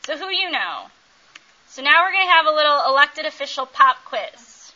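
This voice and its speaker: Bright, high-voiced woman working the crowd. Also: big pitch swings, moderate pace, dull audio. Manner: playful, teasing banter with the audience. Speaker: workshop presenter. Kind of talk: interactive talk quizzing the audience, crowd work.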